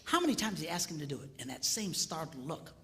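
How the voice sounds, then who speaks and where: A man's voice: on the high side, fast, creaky. A man preaching a humorous sermon, telling stories animatedly and acting out the voices of the people in them. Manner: animated, acts out quoted voices. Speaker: pastor. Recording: long hall reverb, faint noise.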